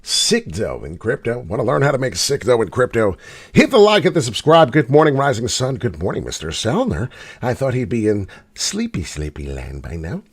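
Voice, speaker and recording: A man hosting a live crypto trading show, a little hoarse from being sick, rambling through charts with lots of filler words. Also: medium pitch, huge pitch swings, normal speed. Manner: rambling, many "uh" fillers, pleads for likes and subscribes. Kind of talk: casual live market commentary.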